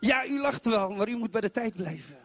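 Man, middle-aged, from Zwolle, preacher, sermon, very high voice, faint music behind. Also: brisk. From Netherlands, Zwolle. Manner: animated, keeps asking the congregation questions. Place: church.

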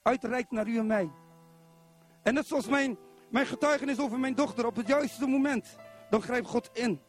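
A middle-aged man from Zwolle preaching a sermon in church, animated and constantly putting questions to the congregation. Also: extremely high pitch, normal speed, faint music behind. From Netherlands, Zwolle.

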